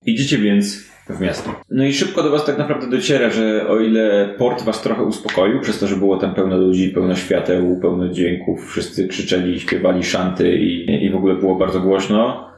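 A man's voice: low-pitched, fairly even intonation, moderate pace, creaky, few pauses, darkish tone, slight background noise. A man improvising narration as game master of a fantasy tabletop game. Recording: roomy, background music. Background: music.

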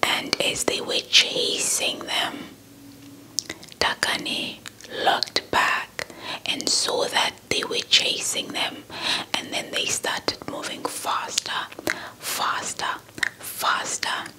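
Young female ASMR storyteller, Xhosa speaker. Whispered, extremely unhurried, close-miked delivery. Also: rough recording. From South Africa. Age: young adult. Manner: slow, deliberate, repeats words for effect. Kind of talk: whispered ASMR folktale narration. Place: small indoor setup before a cloth backdrop. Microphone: handheld mic with fluffy windscreen, held close.

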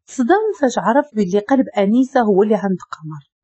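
A woman with a Moroccan accent narrating a dramatic story in an expressive, measured reading, recorded dull and lo-fi. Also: mid-range voice, slightly rough, no room sound.

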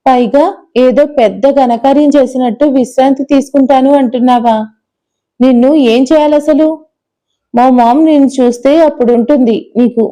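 A woman playing a fiery, shouting young heroine. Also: high voice, fairly even intonation, measured pace, pauses often, poor audio. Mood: furious. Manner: shouting, indignant.

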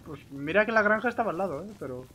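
A man talks casually over game voice chat. His voice sits a little high, and there is faint noise on the microphone. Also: lively intonation, quick pace, pushed and bright. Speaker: online roleplay game player.

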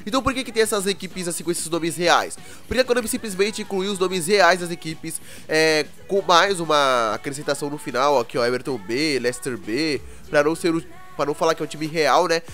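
A young Brazilian man with a cold, his voice congested and hoarse, chatting casually through gaming news and constantly checking in with viewers. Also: fairly high pitch, fairly quick, sharp tone, soft background music. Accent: Brazilian Portuguese. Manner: chatty, keeps asking the viewers "né, cara?". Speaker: gaming YouTuber.

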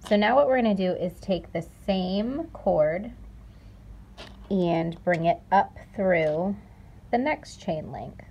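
With a lowish, dark-toned voice, a young woman explains a craft project slowly but animatedly, going through each step carefully and repeating key words for emphasis. The sound is lo-fi, with slight background noise.

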